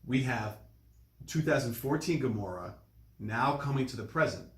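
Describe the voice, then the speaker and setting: A man talks through a film as a casual podcast co-host. His voice sits at a medium pitch, and he retells things step by step with emphasis. The room is audibly echoey. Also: lively intonation, normal speed. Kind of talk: casual film review chat.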